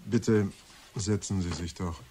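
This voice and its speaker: An actor playing an obliging male police assistant in a radio play, with a husky, mellow voice. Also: sits low, fairly even intonation, takes it slowly, a little hiss or hum. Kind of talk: German radio play acting.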